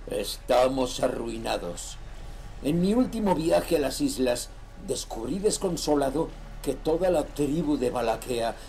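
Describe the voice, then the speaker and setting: An actor playing a greedy, ruthless nineteenth-century sea trader, reading his journal in a measured, solemn and theatrical way for a horror audio drama. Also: medium pitch, creaky, dark tone. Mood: desolate, disturbed.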